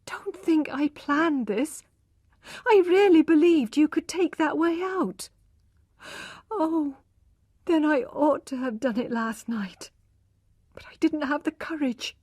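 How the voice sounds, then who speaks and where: Rich: A humble, despairing young wife who pleads in a high, trembling voice, as a woman reader puts her on. She speaks slowly. The sound is dry and close. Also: a little mellow, no room sound. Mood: pleading.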